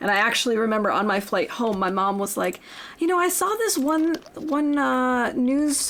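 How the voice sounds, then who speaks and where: A high-pitched female voice in an American accent. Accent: mostly nondescript American. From New York City. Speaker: video game streamer. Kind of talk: casual gameplay livestream chat. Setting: livestream.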